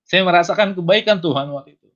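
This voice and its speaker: A man giving an earnest personal testimony, his voice climbing high and emotional as he relives a moment. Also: fast, muffled recording.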